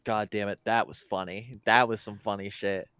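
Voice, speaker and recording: A man's voice: fairly low pitch, fairly even intonation, normal speed, a bit bright, clear, resonant tone, dry recording. A young man co-hosting a casual chat, laid-back and wisecracking, swearing freely. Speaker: podcast co-host.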